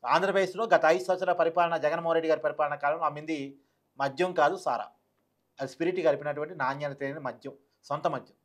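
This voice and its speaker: A man's voice: a little high, fairly even intonation, fast talker, fairly bright tone. A man giving opinionated political commentary to online viewers, emphatic, repeating phrases and asking rhetorical questions.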